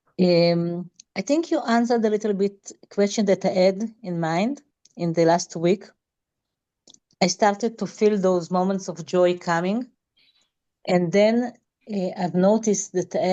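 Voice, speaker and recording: Over a quiet background, a woman with a non-native accent speaks at medium pitch in a dark, mellow tone, with ordinary pitch variation. Her pace is fairly slow, marked by long, frequent pauses. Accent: non-native English accent, self-described bad. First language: not English. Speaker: group participant. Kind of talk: personal sharing.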